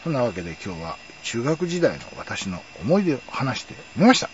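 A man's voice: medium pitch, sing-song, a little fast, muffled recording, slight background noise. A man, hosting a casual, rambling monologue full of fillers. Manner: rambling, nostalgic storytelling with many fillers. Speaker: podcast host.

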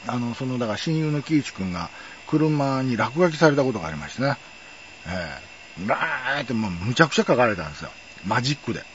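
A man's voice: mid-range voice, fast, highs cut off, slight background noise. A middle-aged man telling a personal story in a wry, chatty way. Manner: wry, chatty, lively intonation. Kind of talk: casual storytelling monologue.

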